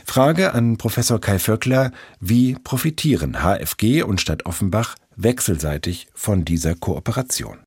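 A man's voice: fairly low pitch, big pitch swings, normal speed, few pauses, a little mellow, husky, no room sound, studio quality. A male news presenter introducing a report and putting a question to a guest.

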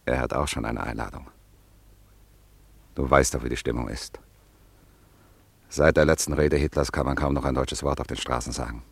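A man playing a calm, loyal French family friend in a German radio drama, speaking in a measured, consoling way. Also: a bass voice, gravelly, husky, no room sound, full character voice. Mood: gently consoling.

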